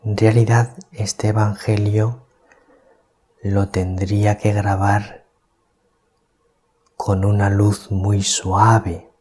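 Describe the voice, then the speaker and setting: A priest from giving a calm, deliberate gospel reflection at night, keeping his voice down so as not to wake anyone. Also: on the low side. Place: small hermitage at night.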